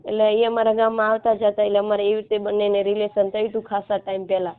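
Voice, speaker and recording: A woman in her thirties from Gujarat with a Gujarati accent, explaining haltingly and repetitively as a caller seeking help. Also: medium pitch, completely flat delivery, clear, resonant tone. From Gujarat, India. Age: 30s. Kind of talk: casual phone conversation. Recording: narrow, muffled phone-call line.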